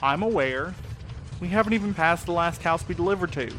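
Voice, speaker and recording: A man's voice: high-pitched, lively intonation, brisk, a bit bright, slight background noise. Sardonic night courier played by a man, insects around. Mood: puzzled. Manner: wry, sardonic, informal. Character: wary, sarcastic male night courier. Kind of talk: naturalistic audio drama acting.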